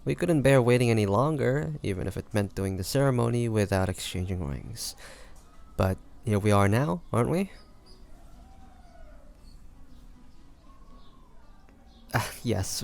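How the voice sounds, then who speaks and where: A man playing a roguish, protective pirate captain in a scripted audio roleplay, talking teasingly and intimately to the listener in a gravelly voice. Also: on the low side, moderate pace, a little mellow, soft background music. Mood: courteous, affable. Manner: teasing, smooth-talking, intimate pet names. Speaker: voice actor.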